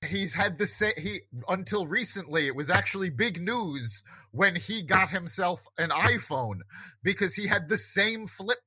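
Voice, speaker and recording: A man's voice: high-pitched, lively intonation, unhurried, bright, forceful tone, breathy edge, no room sound. A man hosting a conversation, talking earnestly and reflectively about self-improvement, with frequent restarts. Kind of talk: casual conversation.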